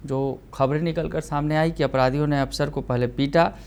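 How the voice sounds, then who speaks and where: Fairly high-pitched male news anchor. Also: steady tone, darkish tone, clean tone. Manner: brisk, emphatic news delivery. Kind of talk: news report.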